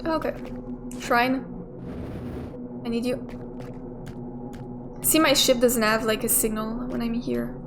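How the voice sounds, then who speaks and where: A woman's voice: on the high side, steady tone, slow pace, long pauses, noisy background. A young woman casually commenting and thinking aloud while playing a video game, swearing now and then. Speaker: gamer playing through a game. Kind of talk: casual let's play commentary. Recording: game music playing clearly behind. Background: game music.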